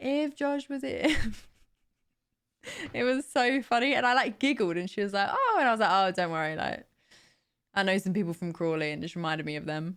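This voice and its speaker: With a southern English accent, a woman talks at a fairly quick pace in an animated tone, her medium pitch swinging very widely, broken by long, frequent pauses. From southern England, near Croydon. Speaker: streamer. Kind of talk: casual chat.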